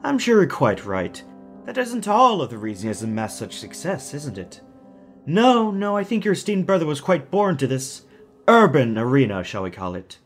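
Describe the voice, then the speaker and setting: Lilting, courtly, theatrical villain. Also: male voice, fairly high pitch, sing-song, moderate pace, faint music behind. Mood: silky menace. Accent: faint German. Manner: courtly, mock-polite, teasing tag questions. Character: suave, theatrical psychopathic villain, serenely pleasant kidnapper. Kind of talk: audio drama acting.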